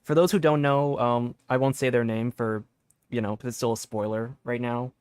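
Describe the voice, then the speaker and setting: A man's voice: mid-range voice, steady tone, moderate pace, a little mellow, clean tone, no echo. A man streaming a game, giving casual, playful live commentary into a close microphone. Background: game music.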